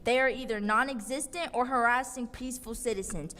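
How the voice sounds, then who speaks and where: A woman's voice: a little high, brisk, a bit bright. A young woman giving an impassioned, accusing public comment to a city council. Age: young adult. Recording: long reverb of a council chamber.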